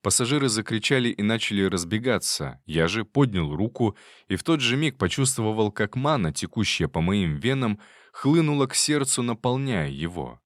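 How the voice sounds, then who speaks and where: Male narrator with a low, dry voice for first-person fantasy audiobook reading; steady, measured delivery. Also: dry recording.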